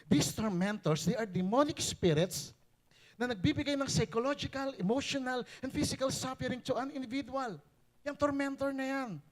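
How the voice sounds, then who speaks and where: A male pastor preaching a sermon, switching between Tagalog and English with animated, rising emphasis. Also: very high voice, normal speed.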